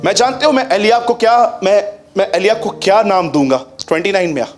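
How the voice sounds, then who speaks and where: A man with a high voice preaches a sermon and keeps asking the congregation rhetorical questions. He slips English phrases into his talk and moves between a raised voice and a low one. Soft music plays faintly underneath. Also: a little fast. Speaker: pastor.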